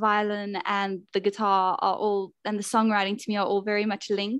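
A woman's fairly high voice with a South African accent, at a moderate pace, dry with no echo, over a quiet background. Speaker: singer-songwriter and medical student. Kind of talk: casual interview. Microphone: earbuds.

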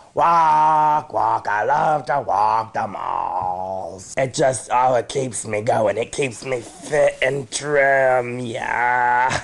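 Doing a put-on character voice, a man speaks at a medium pitch and a very slow pace over light background noise. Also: hardly any pauses. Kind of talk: comedy skit, mock interview. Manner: brash, crude, rambling.

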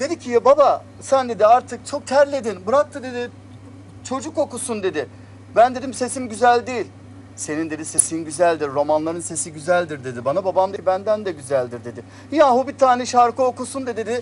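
A man's high voice with very wide pitch swings, big jumps in loudness, a fairly quick pace and light background noise. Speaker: talk show guest. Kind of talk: interview answer, storytelling. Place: studio. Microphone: lapel.

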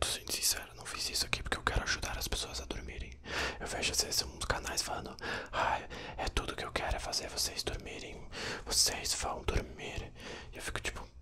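The speaker is whispering. Light background noise is audible. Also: man, fairly quick pace. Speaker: ASMR channel creator. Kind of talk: casual vlog chat. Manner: whispered, expressive aside. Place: home room. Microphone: handheld.

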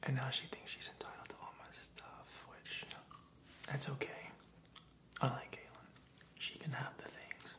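A man whispers. His pace is fairly slow. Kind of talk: soft-spoken roleplay chat to viewer. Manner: soft, hushed ASMR role-play talk. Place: studio.

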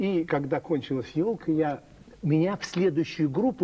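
The tone is dark and mellow. Delivery comes at a moderate pace with lively intonation. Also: man. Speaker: talk show guest. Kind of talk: anecdote told in a TV interview. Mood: amused, laughing storytelling. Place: studio. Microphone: lapel.

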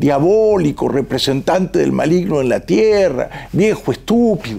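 A man speaking at a fairly slow pace. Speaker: video commentator on politics. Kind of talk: storytelling monologue to camera. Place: home room. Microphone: lapel.

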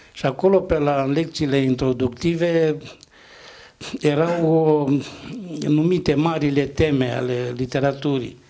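A man with a fairly high pitch, fairly slow and even in intonation, with long, frequent pauses against a quiet background. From Romania, Oltenia (Gorj/Mehedinți); Romania. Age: 60s. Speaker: poet. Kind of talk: speech at literary celebration. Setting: hall with live audience. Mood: relaxed, smiling. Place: hall. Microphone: handheld.

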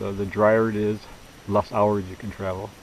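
Delivered in a flat monotone, the voice sounds dry with no echo over light background noise. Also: man. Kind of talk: interview answer. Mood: relaxed, reflective, some laughter. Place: open country.

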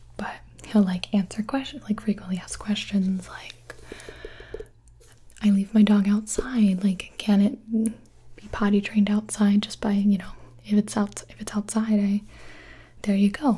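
A soft-spoken woman speaks calmly at a moderate pace, her intonation monotone and flat, with long, frequent pauses. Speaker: book reviewer. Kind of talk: casual vlog chat. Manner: soft-spoken, calm, intimate ASMR talk. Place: home room.

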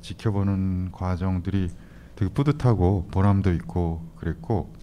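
Here a man speaks at a very slow pace. His tone is dark and mellow, with ordinary pitch variation. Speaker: sound artist. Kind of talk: panel talk. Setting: stage with audience. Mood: thoughtful, hesitant. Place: hall. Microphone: studio mic.

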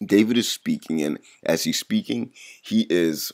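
The man's voice comes through against a quiet background. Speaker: Bible teacher. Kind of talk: devotional teaching. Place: home room. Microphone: webcam.

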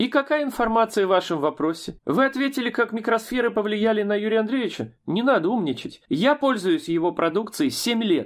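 A man's high-pitched voice. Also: very clean recording, silent background. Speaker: health products seller and video blogger. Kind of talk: video monologue reading testimonials.

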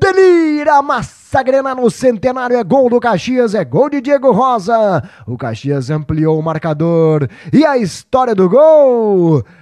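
A man shouts at an extremely high pitch, his voice swinging very widely. He goes at a fairly slow pace, and the sound is dry with no echo against a quiet background. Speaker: radio sports commentator. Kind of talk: live football commentary, play-by-play. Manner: animated, excitable, shouting goal calls.

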